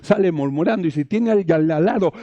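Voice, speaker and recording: A man's voice: on the high side, a little fast, mellow, no room sound, dull audio. A male pastor, preaching a sermon, repeating phrases and asking the congregation rhetorical questions.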